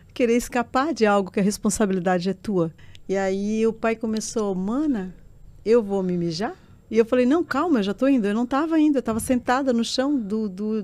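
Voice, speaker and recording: A woman tells a personal faith testimony in a warm, mellow voice. She speaks earnestly and with passion, pressing each point home to her interviewer. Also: on the high side. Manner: earnest, impassioned storytelling. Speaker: guest giving a testimony.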